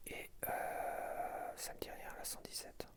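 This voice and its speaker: A man whispering in an unhurried murmur in an ASMR style. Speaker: ASMR video creator.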